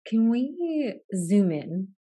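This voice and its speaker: A woman's voice: a little high, very animated, drawn-out words, warm tone, husky. A woman hosting a podcast, asking curious, probing questions that loop and restart as she works toward her point. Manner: curious, probing, talks in long looping questions. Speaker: podcast host. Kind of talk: conversational interview.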